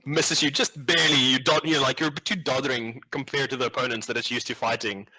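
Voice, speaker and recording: A man's voice: mid-range voice, fairly even intonation, a little fast, pushed and bright, slightly rough, poor audio. A man acting as game master, improvising tabletop game narration in a casual, sweary, slangy way.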